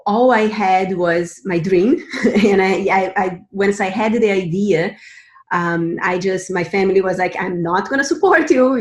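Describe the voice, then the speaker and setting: A woman's voice: medium pitch, echoey room. A middle-aged woman from Brazil, a guest telling her personal story in an earnest way, often restarting and repeating words. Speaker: guest, Akashic Records teacher.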